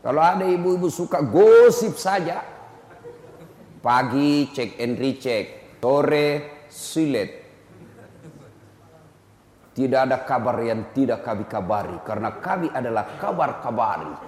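A man preaching a humorous sermon in a joking, lively way, acting out little scenes. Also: mid-range voice, normal speed. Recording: echoey hall with long reverb.

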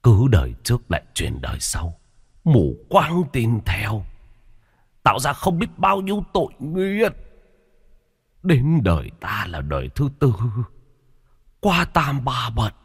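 A man's voice: mid-range voice, big pitch swings, slow, long pauses, husky, big-room sound, pitched above the performer's own voice, heavily acted. A man voicing a tormented, dying old father whose strained words rise into anguished cries. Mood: grave confession. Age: older. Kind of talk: dramatic storytelling.

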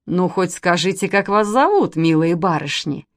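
A hearty, polite middle-aged gentleman, as a woman puts him on, full of friendly exclamations in a storybook reading. His voice rises and falls a lot and sounds dry and close. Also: fairly low pitch, expressive, normal speed, no echo, natural voice. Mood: cheerful. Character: cheerful chess-club acquaintance, middle-aged man.

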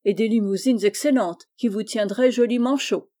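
A hearty, generous older farmer, read by a woman in a storybook, jovial and quick to exclaim. The voice sits fairly high and sounds mellow. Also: natural voice.

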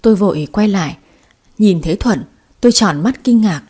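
A woman narrating a dramatic story in an even, measured way. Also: mid-range voice, breathy edge.

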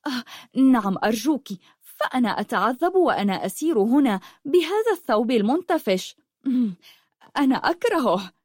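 A woman voicing a kind young woman who asks gentle questions. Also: a little high, big pitch swings, moderate pace, no room sound, studio quality, pitched above the performer's own voice.

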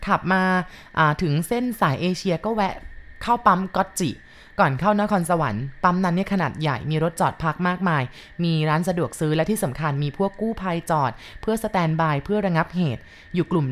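A woman narrating a ghost story in a measured, polite retelling style. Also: fairly low pitch.

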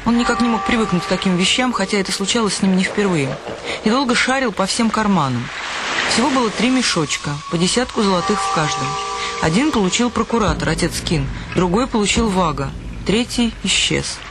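A man's voice: high-pitched, expressive, fairly quick, background noise. A man reading scripted literary narration for a radio play, with music behind his voice.

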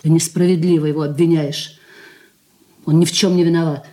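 An actress playing a stern married sister who curtly refuses to help, in a radio drama. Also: female voice, low voice, little pitch movement, a little fast, mellow, lightly acted. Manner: curt, refusing. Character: stern reluctant married sister, middle-aged woman. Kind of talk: 1980s radio drama acting.

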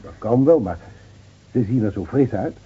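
An actor playing a brooding village man in a radio play, measured and ruminative in his delivery. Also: medium pitch, lively intonation, breathy edge. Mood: placating. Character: brooding village man, neighbourly wine-sipping visitor. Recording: tinny, phone-like old radio play recording.

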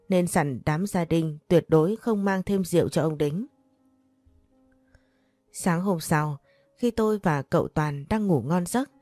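A woman narrating a first-person story in a measured, even way. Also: lowish voice, no echo.

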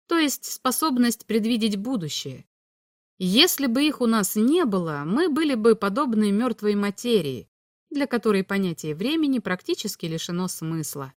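A calm alien humanoid, as a woman reader voices him. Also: normal speed, no echo, clean studio sound, lightly acted. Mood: calm explaining. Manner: patient, explanatory, slightly higher voice. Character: calm all-knowing male alien humanoid. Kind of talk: audiobook reading.

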